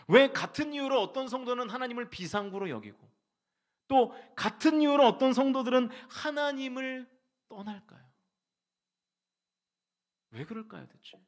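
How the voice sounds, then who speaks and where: A middle-aged male pastor giving a sermon in a church, asking the congregation rhetorical questions and voicing people's complaints to God. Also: sits high. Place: church sanctuary.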